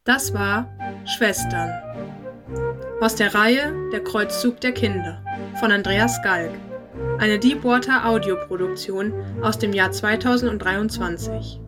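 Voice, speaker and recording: Slow-reading woman announcer over music. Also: medium pitch. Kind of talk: scripted credits narration. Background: music with piano.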